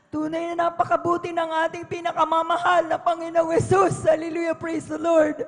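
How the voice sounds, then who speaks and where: A woman's voice: very high-pitched, completely flat delivery, fairly quick. A middle-aged woman giving a personal testimony at a prayer service, earnest and polite, calling the congregation beloved every few words. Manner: polite and deferential, adds respect particles throughout. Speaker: church member giving testimony. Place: church hall during overnight prayer. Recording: reverberant church hall.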